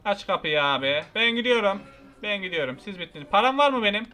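High, bright-voiced young gamer. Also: male voice, fast talker, faint music behind. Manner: excitable, frustrated, shouts at game characters. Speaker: gaming YouTuber. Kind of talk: gameplay commentary.

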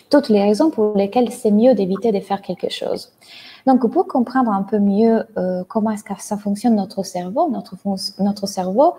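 A woman in her thirties from Italy, speaking French with an Italian accent, explaining ideas as a mindset coach on a video call, talking with lively hand gestures. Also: mid-range voice, slightly rough. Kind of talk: online talk, explaining to a live audience. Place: bright room at home, indoors. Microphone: earphone headset mic on a video call.

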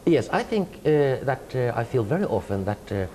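A man's voice: medium pitch, moderate pace, a little hiss or hum. A middle-aged Norwegian man with a Norwegian accent, answering interview questions thoughtfully with many hesitations. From Norway. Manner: hesitant, many fillers and restarts, animated hand gestures. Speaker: interviewed writer. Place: indoor room with tapestry wall.

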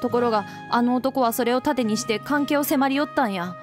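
A woman voicing a flustered, gruff older man who stammers in a Kansai accent. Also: on the high side, fairly quick, music in the background, natural voice. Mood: angry. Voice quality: stammering, blustering.

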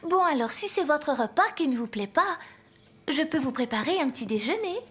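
A woman's voice: high-pitched, lively intonation, normal speed. A woman voicing a kind, playful young babysitter in a French children's cartoon, friendly and coaxing. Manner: bright-spirited, coaxing, friendly.

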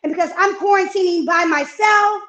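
A woman in her fifties on a video call from her home kitchen, giving healthy eating tips in an energetic, coaching way. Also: very high voice, moderate pace, reverberant. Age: 50s. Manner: energetic, coaching, emphatic repetitions. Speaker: fitness and nutrition guest. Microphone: wireless earbuds on a video call.

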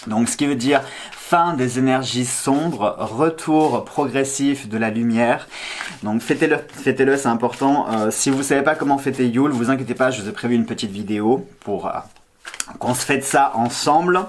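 A man's voice: mid-range voice, moderate pace, slight background noise. A man in his thirties with a slight slushy lisp, hosting a casual tarot vlog in a playful, self-teasing, digressive way. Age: 30s. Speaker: tarot card reader and video host. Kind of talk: casual chatty vlog to camera. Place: small indoor room, seated at a table.

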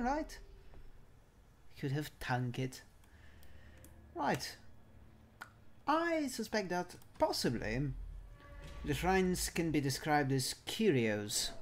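A man's voice: fairly high pitch, slight background noise. A man giving playful let's play commentary in a theatrical, mock-genteel manner with a put-on accent. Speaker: gamer commentating own play.

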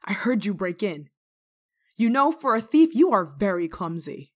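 A woman's voice: mid-range voice, sing-song. Bold, theatrical village nun played by a woman. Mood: stern, confronting. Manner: theatrical, scolding, teasing, dramatic pauses. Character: bold, stern but kind-hearted village nun. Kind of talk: ASMR roleplay monologue, dramatic acting.

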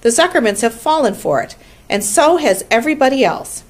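A wise, no-nonsense female barn spider voiced by a woman reading a storybook, brisk and dryly tart. She talks like a schoolmistress calling the roll, lilting up and down as she goes. Her voice is raised above the reader's own. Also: a little high, lively intonation, pitched above the performer's own voice.

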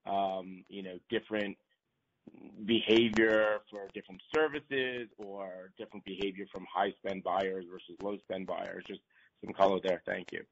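A man's voice: deep voice, fairly even intonation, normal speed. A male financial analyst asking questions on an earnings call in hesitant, circling phrases. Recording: muffled conference call line.

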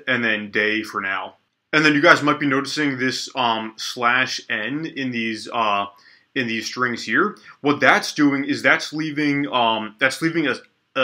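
A young man talks through a coding tutorial from a small room, his voice slightly stuffy from allergies. His tone is bright and forward. He thinks out loud, stumbling and restarting with plenty of ums. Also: mid-range voice. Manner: relaxed, lots of ums and restarts, thinks aloud while typing. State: congested from allergies, sniffling. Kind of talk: casual screen-recorded coding tutorial. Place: small indoor room at a desk.

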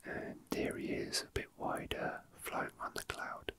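Man, soft breathy whisper, unhurried halting pace, casual ASMR rambling, close mic. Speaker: ASMR video host.

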